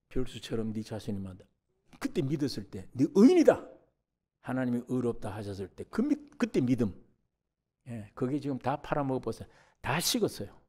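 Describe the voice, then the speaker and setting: A man preaching a sermon in a church, animated, who acts out biblical characters in dialogue and rises sharply in pitch and volume when stirred. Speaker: pastor. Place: church sanctuary.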